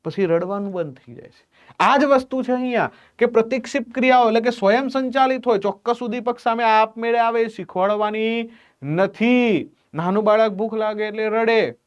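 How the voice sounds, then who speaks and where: A man giving an animated exam-prep lecture, acting out examples as he explains. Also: high-pitched, normal speed, clear, resonant tone, dull audio. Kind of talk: classroom lecture.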